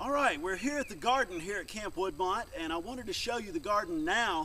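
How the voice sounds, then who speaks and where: A man projects a raised voice with a bright, sharp tone at a fairly quick pace. His pitch swings very widely, and background noise is noticeable. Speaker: camp garden guide. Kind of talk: casual tour commentary. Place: garden. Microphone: camera far.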